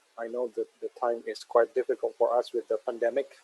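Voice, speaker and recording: A man with an Indonesian accent, in a dry, close sound with no echo. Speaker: university lecturer. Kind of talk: lecture. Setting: video call. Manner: halting.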